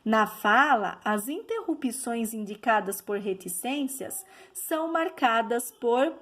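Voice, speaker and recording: A woman's voice: fairly high pitch, animated, slow, a bit bright. A woman teacher giving a video lesson, explaining patiently and checking in with her class as she goes.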